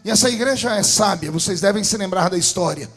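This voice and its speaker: A pastor preaching a dramatic sermon in Brazilian Portuguese, telling a story that swells into shouting. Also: male voice, sits high, fast talker, faint music behind.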